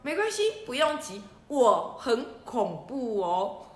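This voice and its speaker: A woman's voice: a little high, big pitch swings, takes it slowly. A woman voicing a cheerful, bossy little male fire dragon in a children's storybook, talking in a bouncy, proud way. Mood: boastful. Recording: roomy echo, faint room noise.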